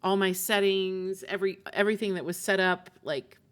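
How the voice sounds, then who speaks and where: A woman's voice: mid-range voice, fairly even intonation, normal speed, clean tone. A woman game streamer chatting casually and talkatively to her live audience. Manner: chatty, often laughs while talking.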